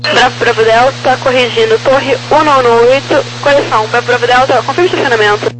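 A Brazilian woman with a highish, fairly bright voice works as an air traffic controller over crackly aviation radio with noticeable noise and hum. Speaking steadily and fairly quickly, she gives clipped procedural instructions in standard phraseology and spells codes using the phonetic alphabet.

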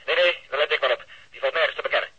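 Urgent police lookout over walkie-talkie, radio play; piercing, very raspy, dull radio band. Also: male voice, a little high, racing, pushed and bright, heavily acted. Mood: tense. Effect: walkie-talkie radio filter. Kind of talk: radio drama acting.

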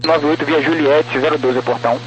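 A man's voice: on the high side, fairly even intonation, fairly quick, dull audio. A Brazilian man giving clipped, procedural instructions as an air traffic controller over radio. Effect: aviation radio.

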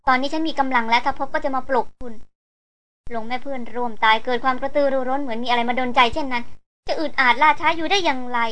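A woman narrating a novel as an audiobook, in a steady storytelling manner. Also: high-pitched. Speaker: audiobook reader.

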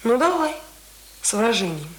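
Bossy young woman, radio drama, higher voice, brisk, colloquial, commanding. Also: big pitch swings, poor audio. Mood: brisk, demanding.

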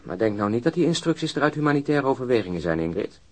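An actor playing a cynical, grumbling heavyset police detective in a radio drama, in wry, natural dialogue. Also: male voice, mid-range voice, sing-song, quick pace, natural voice.

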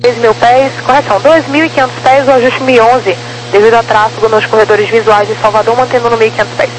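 Fast Brazilian controller on noisy dispatch radio. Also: medium pitch, fairly even intonation. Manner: brisk, formal, spelling out call signs. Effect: aviation radio. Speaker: air traffic controller. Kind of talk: rapid police-radio-like procedural dispatch. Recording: noisy humming radio transmission.

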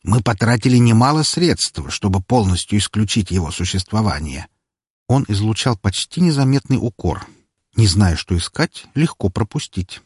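A male audiobook narrator reading first-person fiction with a wry, matter-of-fact delivery. His voice is low and slightly husky, recorded close and dry. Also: animated, moderate pace, no echo.

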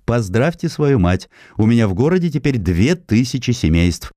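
A man's voice: mid-range voice, big pitch swings, moderate pace, warm tone, no room sound, studio quality, voice pushed up, close to an everyday voice. A man voicing a proud, wealthy matriarch who founded a town, in an audiobook. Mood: proud, pleased. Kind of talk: audiobook narrator quoting a character.

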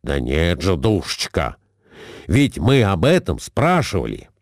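Guy playing a low blustering husband, flustered and huffy, dry sound. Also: huge pitch swings, a little slow, no echo, exaggerated voice. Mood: sheepish. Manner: blustering, indignant, muttering.

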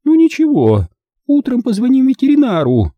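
A cold, stately aunt in a storybook, a man doing her voice and pitching it far above his own, haughty and scolding. Her tone is icy and commanding, with a husky, muffled edge. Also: huge pitch swings, moderate pace, no echo, full character voice. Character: strict cold stately aunt, a middle-aged woman.

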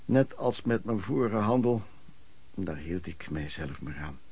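An actor playing a hardworking itinerant peddler, looking back on his life in colloquial, reflective radio drama narration with a husky voice. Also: deep voice, animated, a little slow, a little mellow, heavily acted. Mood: matter-of-fact.

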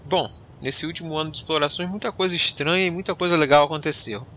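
Um homem interpretando um capitão de nave informal e expressivo, apresentador e narrador de um audiodrama. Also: male voice, fairly high pitch, quick pace, sharp tone. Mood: upbeat, narrating. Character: male spaceship captain, breezy, mildly grumpy storyteller. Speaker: host. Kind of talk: audio drama narration and dialogue.

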